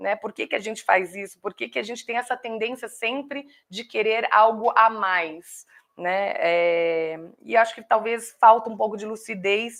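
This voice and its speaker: Speaking at a fairly slow pace, a woman with a fairly high pitch uses ordinary pitch variation while her loudness swings widely. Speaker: spiritist lecture speaker. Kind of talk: lecture. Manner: halting.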